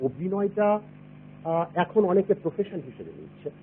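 A man speaks with a high pitch. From West Bengal, Gazole in Malda district. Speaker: film actor. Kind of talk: interview.

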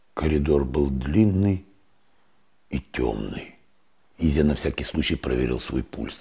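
Very slowly and with lively intonation, a man talks in a very deep, low voice with vocal fry and a dark, mellow tone against a quiet background. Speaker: joke-telling channel host. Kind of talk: storytelling jokes to camera. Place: home room. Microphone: lapel.

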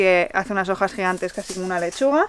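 The sound is dry with no echo, and the pitch moves in an ordinary way. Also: woman. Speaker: farm vlogger. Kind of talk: casual vlog chat. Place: garden. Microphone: phone near.

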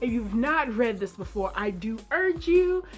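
The voice belongs to a woman. Faint music can be heard behind her. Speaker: book vlogger. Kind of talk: casual vlog chat. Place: home room. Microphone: phone near.

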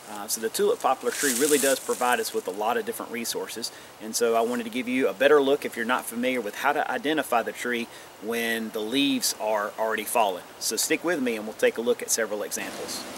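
This man talks at a very fast pace, with fairly even intonation. The sound is dry with no echo, and there is noticeable background noise. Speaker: bushcraft instructor. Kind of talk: tutorial. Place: forest.

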